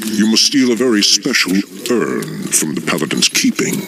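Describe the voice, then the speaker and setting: An actor playing a scheming male dreadlord demon in a game cutscene, speaking in a slow, measured, menacing way. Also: on the low side, big pitch swings, vocal fry, bright, forceful tone, slight background noise, heavily acted. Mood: sinister. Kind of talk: video game cutscene acting. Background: orchestral score.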